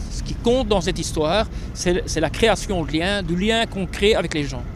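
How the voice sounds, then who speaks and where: A man talks at a moderate pace with ordinary pitch variation. The recording has audible room echo and noticeable background noise. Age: 60s. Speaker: founder of a charity for homeless people. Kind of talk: interview. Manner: halting, many hesitations.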